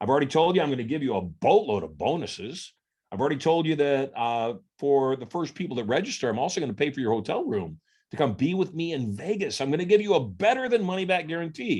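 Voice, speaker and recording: The voice is animated and races along at a very fast pace with very wide pitch swings. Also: man, fairly high pitch for a man, quiet background. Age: 60s. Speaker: motivational speaker. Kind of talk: sales pitch. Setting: webinar.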